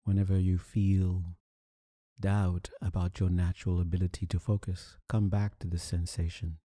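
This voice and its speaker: A man leading a guided meditation as a teacher, speaking calmly and soothingly with long, deliberate pauses. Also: low voice, no echo, clean studio sound.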